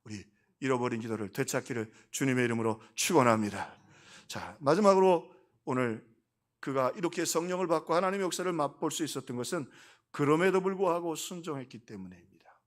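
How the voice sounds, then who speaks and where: A middle-aged man preaching a sermon as senior pastor, telling a story and acting out its dialogue, swinging between hushed lines and emphatic ones. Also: fairly high pitch. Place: church sanctuary.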